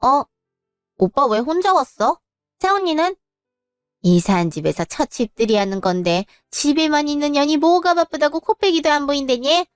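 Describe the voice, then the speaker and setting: A woman's voice: sits high, lively intonation, moderate pace, no room sound, studio quality, soft background music. A woman voicing a brash, demanding young sister-in-law in an audio drama, bossy and rude.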